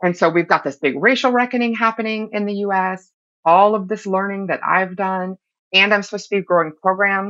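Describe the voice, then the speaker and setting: Here is a woman with an American accent and an ordinary speaking voice at medium pitch. Her pace is fairly quick and her intonation fairly even. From Florida (Orlando). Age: 40s. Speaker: former non-profit executive, entrepreneur. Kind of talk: interview conversation.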